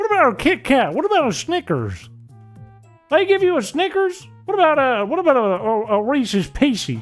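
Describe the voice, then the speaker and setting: A female-sounding voice performs a put-on character voice, high-pitched with very wide pitch swings. Faint music plays in the background. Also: moderate pace. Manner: exaggerated, comic.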